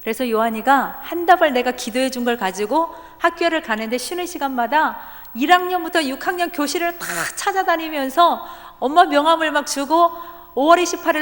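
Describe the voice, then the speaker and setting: A woman deaconess giving a testimony at a church service, telling her story in a lively way and acting out the dialogue. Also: sits high, fairly quick. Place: church sanctuary. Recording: church hall reverb.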